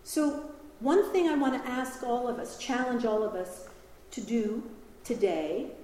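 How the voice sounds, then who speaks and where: A woman's voice: on the high side, a little slow, a little hiss or hum. A woman giving a Catholic retreat talk, telling stories with humor and laughing as she speaks. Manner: lively storytelling with humor and laughs. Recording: echoey hall with long reverb.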